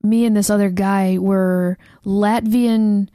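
A woman's voice: mid-range voice, fairly even intonation, slow, mellow, dry recording. A young woman from the United States chats casually as a co-host, her mid-range voice full of fillers and self-interrupting asides. The sound is close and dry, with no room in it. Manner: chatty storytelling with fillers and laughs. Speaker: podcast co-host. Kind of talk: casual chat.

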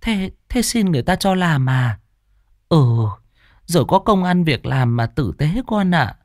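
A man voicing a kindly old village woman who speaks softly and fusses over others. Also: a little high, animated, unhurried, dry recording, studio quality, voice pushed up. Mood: tender. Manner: soft, fussing, pleading.

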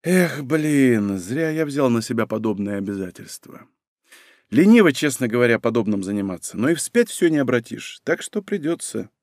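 A man's voice: medium pitch, big pitch swings, moderate pace, a little mellow, no room sound, studio quality. A man narrating a first-person audiobook in a wry, conversational way.

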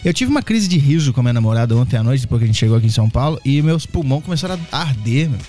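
Um homem brasileiro conversando num podcast, contando histórias animadas e rápidas, com a voz um pouco desgastada. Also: male voice, medium pitch, faint music behind. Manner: fast, animated storytelling with acted quotes. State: lost his singing voice, coughing. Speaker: podcast co-host. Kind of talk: casual chat. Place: São Paulo.

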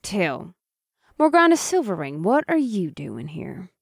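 Man putting on a gruff woman agent. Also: high voice, huge pitch swings, a little slow, a bit bright, no room sound, studio quality, voice pushed up, heavily acted. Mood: suspicious. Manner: clipped, gruff questioning. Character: stern woman federal agent, gruff and suspicious.

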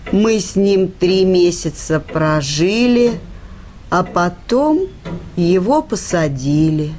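An actress playing a middle-aged, cynical working-class wife in a radio comedy play, confessing in a matter-of-fact, unrepentant manner. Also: female voice, on the low side, darkish tone, a little hiss or hum, low-quality recording.

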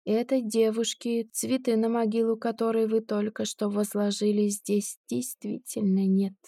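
A woman voicing a drunk, cold-blooded male tramp who robs graves, speaking slowly and sneeringly in an audiobook. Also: medium pitch, fairly even intonation, mellow, no room sound, clean studio sound.

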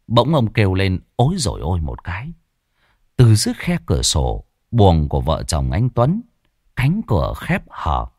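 A man's voice: deep voice, no echo, clean studio sound. A man telling a folk ghost story in a dramatic, swooping way.

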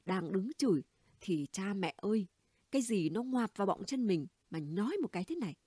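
A brash, gossipy middle-aged neighbor woman, voiced by a female reader spills stories in a chatty, conspiratorial audiobook voice. The tone is warm and mellow with a soft breathy edge. The recording is dry and close. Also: medium pitch, big pitch swings, fairly quick, dry recording. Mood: gossiping. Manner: chatty, blunt, conspiratorial storytelling. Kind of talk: audiobook character dialogue.

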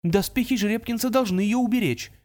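A man doing a calm teenage boy genius. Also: high voice, pitched above the performer's own voice, lightly acted. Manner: calm, measured. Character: cool-headed teenage boy genius, hurt but calm. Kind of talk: audiobook character voice.

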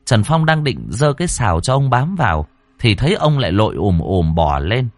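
A man's voice: lowish voice, sing-song, normal speed, no room sound. A man narrating a ghost story in a dramatic, suspenseful way. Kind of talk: audiobook narration.

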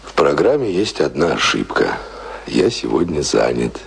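An actor in a radio play playing an earnest, passionate young self-taught would-be writer, speaking ardently and poetically. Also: male voice, extremely low pitch, big pitch swings, moderate pace, creaky, exaggerated voice. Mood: evasive.

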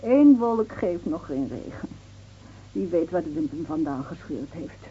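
A woman's voice: sits low, animated, a little slow, dark tone, slight background noise. An actress playing a bitter, weary middle-aged village mother in a radio play, curt and fatalistic in manner. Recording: dull, muffled old radio play recording.

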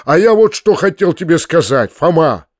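A man's voice: a little high, big pitch swings, moderate pace, darkish tone, no echo, studio quality, voice pushed up. A man reading a flustered, kindly uncle who pleads earnestly and stumbles over his words. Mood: pleading. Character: flustered, kindly middle-aged landowner uncle.

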